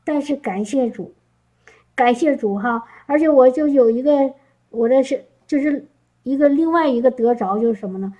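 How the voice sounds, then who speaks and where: A woman's voice: high-pitched, warm tone, rough recording. A woman giving an emotional spoken testimony to a congregation, often repeating herself and asking listeners questions. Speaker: church speaker. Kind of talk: testimony sermon.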